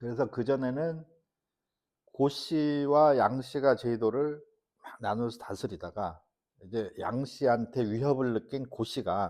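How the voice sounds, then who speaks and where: The speech moves at a very slow pace with big swings in loudness. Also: man, medium pitch for a man, ordinary pitch variation. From Jeju Island, South Korea. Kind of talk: unscripted casual monologue.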